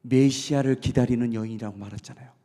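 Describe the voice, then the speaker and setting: A male pastor preaching a sermon, telling a story with lively questions to the congregation and acting out the dialogue. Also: medium pitch, fast talker. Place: church sanctuary. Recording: long church hall reverb.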